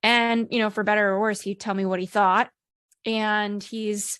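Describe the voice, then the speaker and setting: A woman's medium-pitched, monotone, flat voice at a moderate pace, with a quiet background. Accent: Californian. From Los Angeles, US West Coast. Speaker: career coach. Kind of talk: podcast interview.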